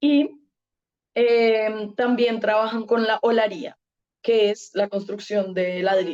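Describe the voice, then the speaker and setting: A woman speaks with a fairly high pitch. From Colombia. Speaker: anthropologist researcher. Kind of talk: lecture. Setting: video call. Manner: halting.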